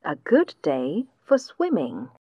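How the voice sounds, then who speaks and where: A woman reading a weather report slowly and clearly for a listening test, with a dull lo-fi sound like AM radio. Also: sits low, huge pitch swings, no room sound. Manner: slow, deliberate, clearly enunciated reading. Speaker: test passage reader.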